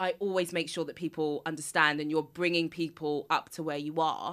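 On a very clean recording with a silent background, a woman with a British accent speaks at a moderate pace. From UK. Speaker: TV news journalist and presenter. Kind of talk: casual interview. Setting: podcast recording.

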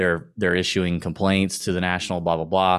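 In a very clean recording with a silent background, a man with a Southern US accent talks at a fairly quick pace in a very deep, low pitch. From Augusta, Georgia. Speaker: podcaster. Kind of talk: casual chat.

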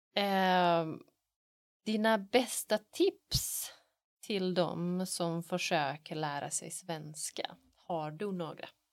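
A non-native accent at a very slow pace with ordinary pitch variation, on a very clean recording with a silent background. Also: woman, fairly low pitch for a woman. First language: not Swedish (speaking Swedish). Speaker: language teacher and podcast host. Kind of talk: casual interview.

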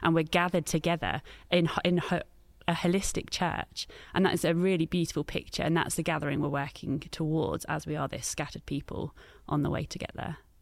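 Fairly quick speech with vocal fry and fairly even intonation. The recording is very clean, with a silent background. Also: woman, very deep, low pitch for a woman. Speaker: mission organization field director. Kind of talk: panel discussion. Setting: recorded in a church.

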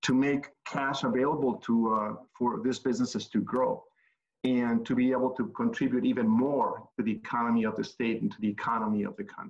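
Speaking with a Mexican accent, a man uses lively intonation at a medium pitch. His pace is moderate. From Mexico. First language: Spanish. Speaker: small business consultant.

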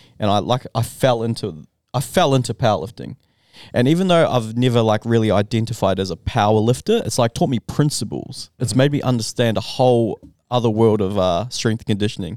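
The speech moves at a fairly quick pace with ordinary pitch variation, recorded dry and close with no echo and a very clean, silent background. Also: man, medium pitch for a man. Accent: Australian. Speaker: powerlifting coach. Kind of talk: casual chat. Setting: studio.

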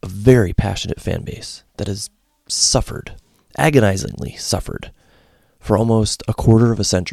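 In an American accent, a man talks at a moderate pace with a medium pitch and a dark, mellow tone. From Connecticut, US. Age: 40s. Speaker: podcast host. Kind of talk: solo podcast monologue. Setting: home office. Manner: repeats words, disfluent.

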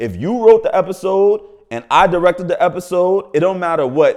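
An animated man with a New York accent talks at a moderate pace in a high pitch. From Jamaica, Queens, New York. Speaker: actor. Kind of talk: casual chat.

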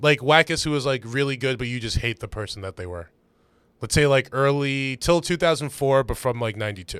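The speaker uses an ordinary speaking voice with ordinary pitch variation at a fairly quick pace. The recording is very clean, with a silent background. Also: man, medium pitch for a man. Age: 30s. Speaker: podcast co-host. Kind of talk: casual chat.

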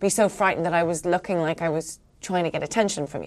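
In an Irish accent, a woman speaks at a fairly quick pace. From Ireland. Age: 40s. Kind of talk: interview.

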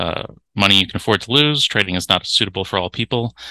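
Bright and sharp describes the tone. There is no echo, and the sound is dry and close. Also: man. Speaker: event host. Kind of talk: event introduction. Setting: video call conference webinar.

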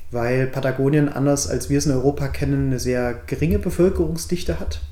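A man talks at a fairly quick pace amid audible room echo and noticeable background noise. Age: 30s. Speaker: adventurer and sports teacher. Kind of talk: interview. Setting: in person.

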